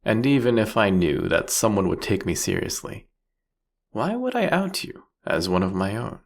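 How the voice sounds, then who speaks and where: A man playing a proudly ruthless, philosophical vampire king in a fantasy audio roleplay, speaking eloquently and mockingly in a drawn-out, theatrical way. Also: fairly low pitch, sing-song, creaky. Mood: mocking amusement.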